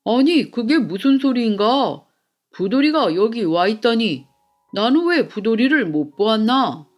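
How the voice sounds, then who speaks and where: A woman voicing an earnest, loyal gentleman scholar in a children's folktale, with expressive old-fashioned speech. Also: on the high side, a little slow. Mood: shocked. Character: earnest young scholar turned official, loyal to friends. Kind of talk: children's storybook character voice.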